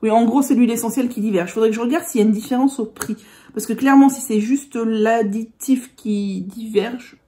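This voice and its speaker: Chatty woman with a mellow voice. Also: fairly high pitch, slight background noise. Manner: chatty, rambling, full of hesitations. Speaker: vlogger. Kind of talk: casual product chat.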